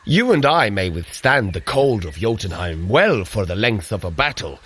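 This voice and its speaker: Husky male voice, hearty warrior god, earnest, lively pitch swings, archaic diction, audio adventure drama. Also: normal speed, exaggerated voice. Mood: wary. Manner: formal archaic diction, booming when rallying.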